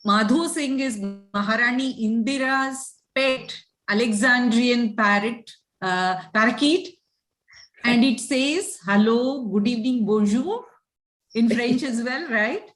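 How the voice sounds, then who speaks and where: Fairly high-pitched Indian woman moderator. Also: takes it slowly, a bit bright, rough recording. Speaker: session moderator. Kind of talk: conversational hosting.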